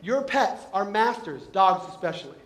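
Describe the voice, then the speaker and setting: A man giving a humorous motivational talk to a live audience, playful and quick to slip into exaggerated comic voices. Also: high voice, very animated, a little hiss or hum. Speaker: motivational speaker. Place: event hall with live audience. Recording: echoey hall with audience.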